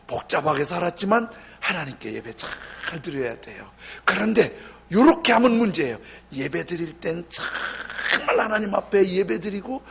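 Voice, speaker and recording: A man's voice: high-pitched, normal speed, creaky, hardly any pauses, a little hiss or hum. A male pastor preaching a sermon, telling stories and acting out the people in them. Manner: lively storytelling, acts out quoted people.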